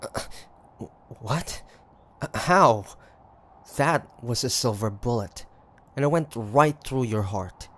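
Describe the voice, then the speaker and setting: A man playing a cocky, stubborn demon hunter of the 1850s in a dramatic audio roleplay, theatrical and halting. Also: medium pitch, animated, fairly bright tone. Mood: shocked. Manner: theatrical, taunting, halting with sighs and pauses.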